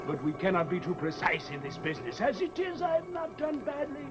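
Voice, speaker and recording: A man's voice: sits high, fairly quick, close to an everyday voice. Man playing a gloating, theatrical black magician. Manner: grandiose, menacing, declamatory. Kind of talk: 1940s radio horror acting. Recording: vintage radio recording, music behind.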